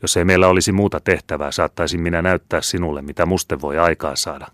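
A man's voice: deep voice, steady tone, fairly bright tone, dry recording, studio quality. A man voicing a bold, resolute young soldier in a storybook reading. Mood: urgent.

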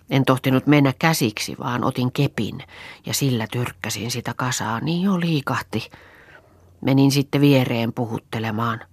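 Reading an audiobook in a bass voice, a woman takes on the character of a tired, blunt country woman telling a rambling, matter-of-fact story. The recording has no room sound.

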